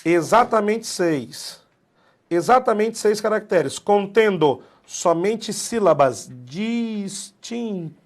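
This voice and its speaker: A man's voice: high-pitched, animated, slow. A man with a Brazilian Portuguese accent teaching a math exam-prep lesson, blunt and emphatic, repeating key points in slangy talk.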